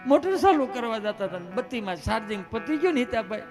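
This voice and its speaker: A man telling folk comic stories, chatty and animated, switching quickly between characters. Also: extremely high pitch, music in the background. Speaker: comedian, storyteller.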